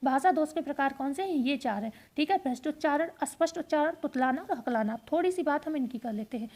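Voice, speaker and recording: A woman teaching an exam-prep lesson, explaining step by step and repeating key points as quick questions and answers. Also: sits high, animated, darkish tone.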